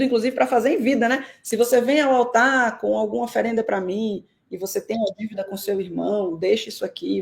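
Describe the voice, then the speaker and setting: A woman from Salvador with a Northeastern Brazilian accent, answering questions in a live-stream interview in a thoughtful, measured way with frequent hesitations over a video call. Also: on the high side, gravelly, a little mellow. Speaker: guest researcher.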